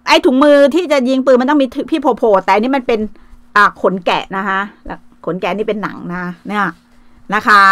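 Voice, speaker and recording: A middle-aged Thai woman hosts a casual phone livestream, coarse and taunting and swearing freely. Her voice is fairly high and fairly bright, with no room sound.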